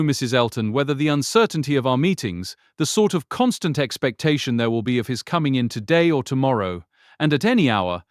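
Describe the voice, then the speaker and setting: An actor playing a talkative, sanguine older gentleman in a period audiobook drama, speaking in a genteel, rambling, effusive way. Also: a little high, dry recording, clean studio sound. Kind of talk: full-cast audiobook period drama acting.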